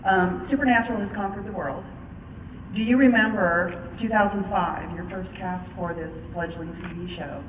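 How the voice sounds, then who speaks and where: A woman's voice: mid-range voice, moderate pace, long pauses. A woman in the audience earnestly asking the panel a question. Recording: noisy lo-fi hall recording.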